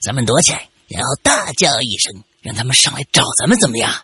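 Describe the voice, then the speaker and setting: A man's voice: mid-range voice, sing-song, fast talker, sharp tone, husky, dry recording, full character voice. A man voicing a mischievous boy who whispers a plan for a prank. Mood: plotting. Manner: conspiratorial.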